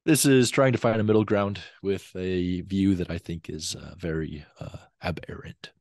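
This young man has a deep, slightly mellow voice and a lingering cough. Speaking as a guest scholar on a video call from his home study through a desk mic, he explains his views step by step, measured and full of ums, with studio-quality sound and no room noise.

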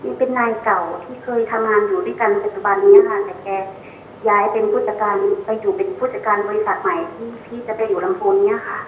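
A woman's voice: mid-range voice, steady tone, fast talker, a little hiss or hum. A woman calling in to a radio show, polite and hesitant, often repeating her words. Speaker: caller. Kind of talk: phone call-in chat. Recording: tinny echoey phone line.

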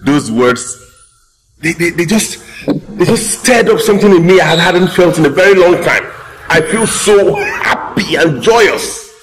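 A man acting an overjoyed husband who sings and shouts for joy. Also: sits high, wildly swooping pitch, measured pace, exaggerated voice, low-quality recording. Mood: elated. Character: overjoyed middle-aged husband freed from a bad marriage. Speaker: husband celebrating a divorce. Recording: crowd noise behind.

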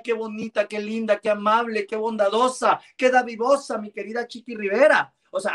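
Animated gossip-show host on a video call. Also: male voice, high voice, recorded from a distance. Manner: animated and teasing, full of endearments. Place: home room on a video call.

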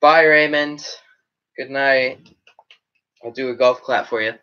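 A man's voice: medium pitch, fairly even intonation, takes it slowly, sharp tone, clean tone, highs cut off. A teenage boy wearing a headset, casually rambling through his live chat in a small room with a green backdrop. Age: teens. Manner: rambling, chatty, reacting to comments. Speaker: livestream host reading chat.

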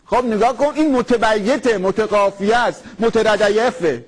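A man hosting a satirical comedy sketch, talking in a mocking, animated way. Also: high-pitched. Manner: mocking, fast and animated, laughing. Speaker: satirical radio host.

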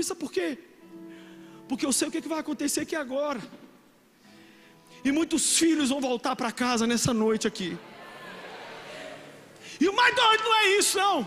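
A middle-aged man with a Brazilian accent, preaching a dramatic, emotional sermon to a youth congregation, swinging from soft asides to shouting. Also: very high-pitched. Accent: Brazilian Portuguese. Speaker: pastor. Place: large church hall with a youth congregation. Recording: long hall reverb with music behind.

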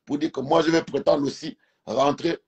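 A man's voice: a little high, steady tone, moderate pace, creaky, darkish tone, highs cut off. Gabonese man arguing from his couch. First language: Fang. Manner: emphatic, repeats words while searching for them. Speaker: live stream guest. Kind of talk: casual debate over a video call. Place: indoors, lying on a couch at home. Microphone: phone camera held close.

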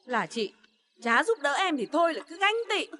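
A woman's voice: sits high, very animated, a little fast, sharp tone, exaggerated voice. An actress playing an indulgent older mother-in-law in a TV drama, scolding her children while doting on her daughter-in-law. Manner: scolding but doting, exasperated sighs.

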